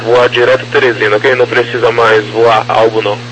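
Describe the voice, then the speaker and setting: A man's voice: medium pitch, little pitch movement, brisk, a bit bright, highs cut off. A man working as an air traffic controller, giving clipped procedural instructions in a crackly military-style radio manner. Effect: radio transmission. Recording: crackly, noisy aviation radio with hum.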